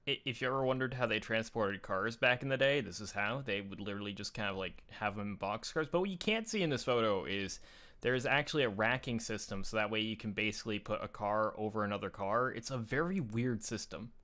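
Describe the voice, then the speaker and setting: A man's voice: lowish voice, brisk, pushed and bright. A man hosting a casual live-stream chat, rambling with many uhs and restarts as he shows pictures. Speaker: show host sharing his picture folder.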